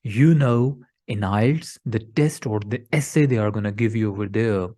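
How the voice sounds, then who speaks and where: Firm, dark-voiced tutor. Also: male voice, lowish voice, normal speed. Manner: direct coaching, giving firm step-by-step advice. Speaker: English test tutor. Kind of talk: instructional talk to camera.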